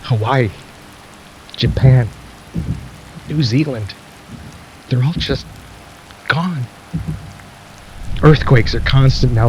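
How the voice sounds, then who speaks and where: A man playing a weary, defiant radio broadcaster at the end of the world, speaking gravely and haltingly in a radio drama. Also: mid-range voice, lightly acted. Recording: dull lo-fi radio sound, faint noise.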